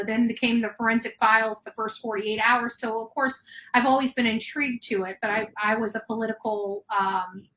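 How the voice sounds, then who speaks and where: A woman's voice: mid-range voice, bright, forceful tone, slight background noise, low-quality recording. A woman hosting a true crime call-in show, talking at length and often restarting her sentences. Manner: rambling, with many restarts. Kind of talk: live call-in chat.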